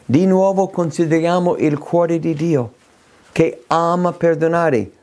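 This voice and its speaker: A man preaching slowly and emphatically, reading passages aloud and repeating key phrases. His voice has a gravelly edge and sits on the higher side for a man, and he leaves long pauses between lines. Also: darkish tone. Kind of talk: sermon with scripture reading.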